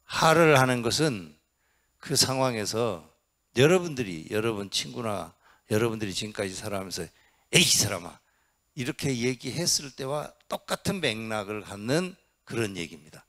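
A middle-aged man, a Buddhist monk, giving an interactive dharma talk in a Buddhist hall. He quizzes and coaxes his listeners and acts out the shouts he describes. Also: medium pitch, lively intonation, moderate pace. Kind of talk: interactive sermon.

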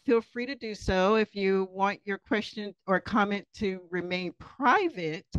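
A woman moderating an online event, reading out privacy notes and questions from the chat in a clear, procedural way. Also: mid-range voice, dry recording, highs cut off. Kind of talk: reading announcements. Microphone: video call.

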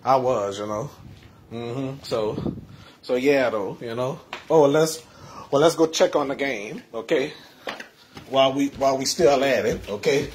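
A man hosting a casual home livestream, rambling with many repeats and soft trailing endings. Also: mid-range voice, unhurried, slight background noise. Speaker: livestream host. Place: home, indoors.

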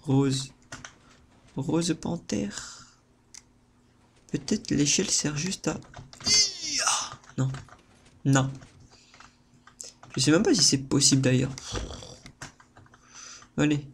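A man narrates his own gameplay in a playful, theatrical way, often repeating words and yelping into high outbursts. He talks at an unhurried pace between the bursts. Faint keyboard typing sits behind his voice. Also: vocal fry, a little hiss or hum. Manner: playful theatrical exclaiming, addresses viewers. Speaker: gaming video host. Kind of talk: let's-play gameplay commentary.

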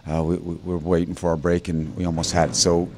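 A man in his fifties, a head coach in a postgame interview, talking haltingly with many fillers and restarts into a handheld mic. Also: low voice, little pitch movement, noisy background. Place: indoor interview backdrop. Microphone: handheld mic held by interviewer.

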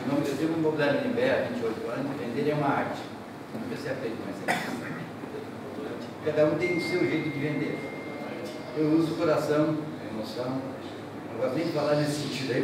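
A heartfelt middle-aged man speaks at a ceremony, repeating his points with feeling. His voice sits a little high and is caught from across a large, echoing hall. A steady background noise runs under it. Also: quick pace. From southern Brazil. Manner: emotional, repetitive, gestures broadly while speaking. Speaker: real estate broker giving a speech. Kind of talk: informal ceremony speech. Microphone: distant room mic. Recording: echoey hall, distant mic, noisy.

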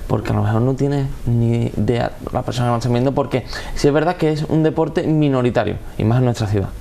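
Fast-talking TV host. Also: male voice, mid-range voice, creaky, warm tone, a little hiss or hum. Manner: brisk, leading questions. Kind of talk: local TV interview. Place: TV studio. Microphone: lapel mic.

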